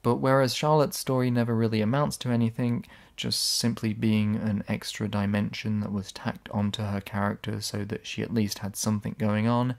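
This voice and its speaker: A man's voice: fairly low pitch, little pitch movement, normal speed, gravelly, few pauses. A man giving casual, sarcastic video essay commentary. He is blunt, swears when annoyed, and his voice sounds slightly worn.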